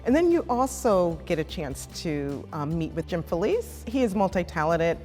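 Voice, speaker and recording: Lower-voiced woman in a reverberant hall. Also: sing-song, moderate pace, darkish tone, faint music behind. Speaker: executive director of an arts organization, interview guest. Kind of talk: conversational interview. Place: inside an old granite church. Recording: long reverberant hall echo.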